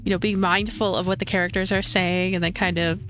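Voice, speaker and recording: A woman's voice: fairly low pitch, little pitch movement, a little fast, fairly bright tone. A woman hosting a let's play, commenting casually and tentatively as she thinks aloud. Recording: faint game music behind.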